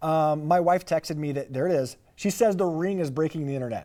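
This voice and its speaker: In a very clean recording with a silent background, a man with an American accent talks at a fairly quick pace in a fairly high pitch with a dark, mellow tone. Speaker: TV news anchor and reporter. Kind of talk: casual, humorous anchor banter. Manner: playful, excited.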